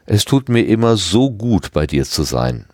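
A man reading aloud, voicing a sharp-tongued, scheming teenage schoolgirl with a lightly raised voice. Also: sits low, big pitch swings, moderate pace, dry recording, clean studio sound, heavily acted.

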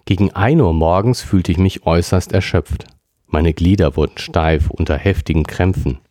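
A man reading a classic novel aloud as a podcast narrator, in a steady storytelling manner. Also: low voice, normal speed, no room sound, studio quality. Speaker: podcast reader. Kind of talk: audiobook reading.

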